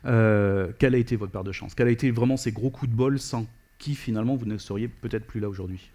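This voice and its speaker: A man's voice: lowish voice, fast, dark tone. A man acting as interviewer at an event, summing up off the cuff and putting questions to his guest. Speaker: interviewer, moderator.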